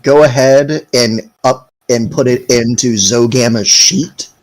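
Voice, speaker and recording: A man's voice: mid-range voice, takes it slowly. A man playing in a tabletop game, friendly and supportive toward his teammates. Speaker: player. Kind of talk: casual tabletop game chat.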